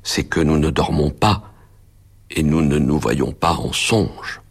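A man's voice: rumbling low, slow pace, gravelly, slightly rough, exaggerated voice. A man reading the lines of a frightened, breathless young doctor in a muffled, hollow voice. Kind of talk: audiobook character reading.

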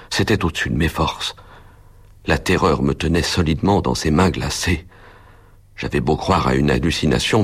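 A man narrating a story aloud in a steady, measured way. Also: rumbling low, breathy edge. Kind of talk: audiobook narration.

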